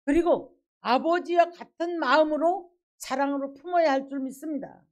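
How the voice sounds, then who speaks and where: High-voiced woman pastor preaching. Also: moderate pace, a little mellow. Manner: preaches with acted quotes and emphatic rhetorical questions. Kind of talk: sermon.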